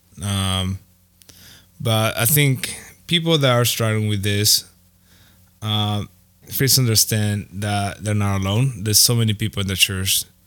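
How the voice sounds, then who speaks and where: In a very clean recording with a silent background, a man with a fairly low pitch and ordinary pitch variation speaks at a fairly slow pace, taking long, frequent pauses. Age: 30s. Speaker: project manager and engineer. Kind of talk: casual chat.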